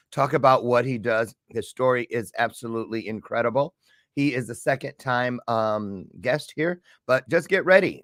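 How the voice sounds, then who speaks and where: A middle-aged man hosts a casual live talk show in a chatty, excitable way, dropping jokes at his own expense. His voice is bright and forward, and the sound is dry and close. His pitch sits in an ordinary middle range. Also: no room sound. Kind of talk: casual live-stream chat.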